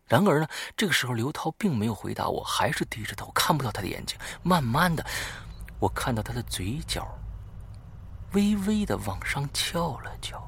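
A man's voice: mid-range voice, sing-song, normal speed, creaky, fairly bright tone, husky. A man in his thirties telling a spooky first-person ghost story, dropping to a whisper at tense moments. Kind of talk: spoken ghost story narration.

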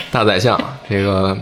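A man retelling a folk tale comically, animated and laughing, slipping into character voices. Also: on the low side, takes it slowly, faint music behind. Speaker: podcast storyteller.

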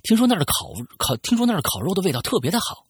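A man voicing a sharp-tongued young woman who teases and mocks. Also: high voice, very animated, rapid-fire, slightly rough, no echo, clean studio sound, voice pushed up, full character voice. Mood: eager. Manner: mocking.

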